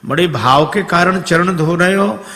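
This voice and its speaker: A man's voice: high voice, a little slow, pushed and bright, exaggerated voice. A man voicing a noble prince who teases a boatman. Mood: teasing. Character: Lakshman, teasing noble prince. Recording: long hall reverb.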